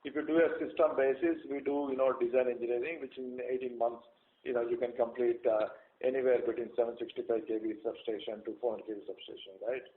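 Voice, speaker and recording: A company executive answering analyst questions on an earnings call, explaining at length with many "you know" fillers. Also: male voice, medium pitch, steady tone, fast. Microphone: conference call line. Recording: echoey phone-line audio.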